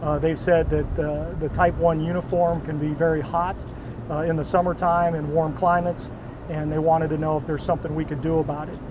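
A man's monotone, flat voice, dry with no echo, over noticeable background noise. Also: fairly quick pace. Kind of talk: interview answer. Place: boat.

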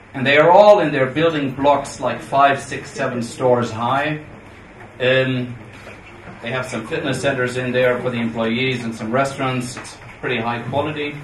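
A man talks at a moderate pace with fairly even intonation. Noticeable background noise runs behind him. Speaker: investment fund manager. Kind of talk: panel discussion. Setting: stage with audience. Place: hall.

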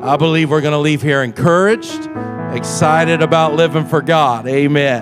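A man speaks at a moderate pace with fairly even intonation and very even loudness. Clear music plays in the background. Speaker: visiting missionary preacher. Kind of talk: sermon. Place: church. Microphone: handheld.

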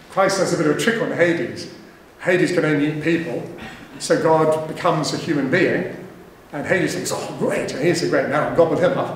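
A man's high-pitched voice at a fairly quick pace, with ordinary pitch variation, audible room echo and light background noise. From New Zealand. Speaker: iconographer and conference speaker; conference speaker. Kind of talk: lecture. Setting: stage with audience. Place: hall. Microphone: camera far.

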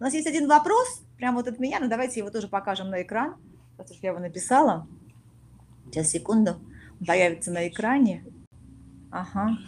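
Her voice fairly high and somewhat breathy, a woman talks at a fairly quick pace with lively intonation, long, frequent pauses and big swings in loudness. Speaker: conference host. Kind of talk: conference moderation. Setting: video call. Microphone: video call.

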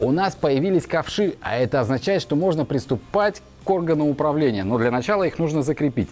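Words come out at a fairly brisk clip. Soft music can be heard underneath. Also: man. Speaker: workshop vlog host. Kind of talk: casual vlog chat. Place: workshop.

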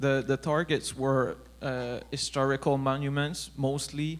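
Speaking in a Quebec French accent, a man goes at a very slow pace. His intonation stays monotone and flat. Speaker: wiki photography organizer. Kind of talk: conference talk. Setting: stage with audience. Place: hall. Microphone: handheld.

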